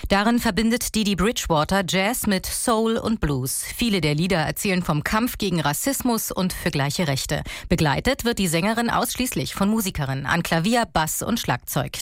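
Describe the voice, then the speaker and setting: A woman reporter reading a short culture report in a formal, measured way. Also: on the low side, dry recording, studio quality. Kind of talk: news report.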